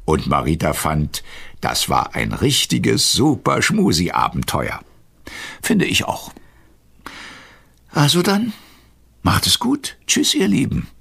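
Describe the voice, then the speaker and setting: A man playing a genial storyteller in a children's radio play, gravelly and expressive, speaking affectionately to young listeners. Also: lowish voice, slow pace, long pauses, exaggerated voice. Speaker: storybook narrator.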